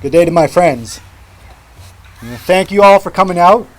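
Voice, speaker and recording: A man in his forties from Massachusetts gives an impassioned public speech at a rally, speaking emphatically with deliberate repetition. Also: high voice, lively intonation, very noisy. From Mashpee, Massachusetts, United States. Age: 40s. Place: outdoor rally.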